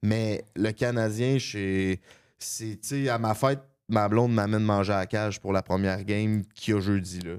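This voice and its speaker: Fairly low in pitch, a man talks in a normal speaking voice. His pace is moderate and his intonation fairly even. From Quebec City. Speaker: podcast host, guest. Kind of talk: casual chat.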